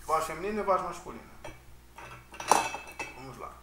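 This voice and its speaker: A man's voice: on the high side, animated, moderate pace, very noisy. A man giving a casual music lesson, chatty and often checking in with his listeners. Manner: chatty, with frequent tag questions. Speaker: music teacher. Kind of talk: casual online lecture. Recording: roomy echo.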